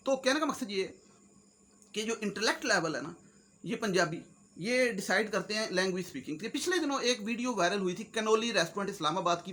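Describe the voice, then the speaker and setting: A man's voice: high voice, a bit bright, a little hiss or hum. A man from Pakistan with a Punjabi accent, speaking casually and jokingly as a vlogger, mixing Urdu, Punjabi and English. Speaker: YouTuber host. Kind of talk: casual comic-motivational monologue.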